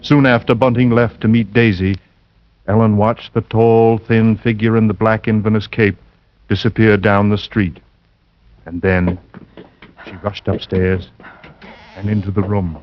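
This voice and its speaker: A man's voice: lowish voice, little pitch movement. Suspenseful vintage radio narrator, man. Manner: measured, suspenseful. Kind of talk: 1940s radio drama narration. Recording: dull vintage radio recording.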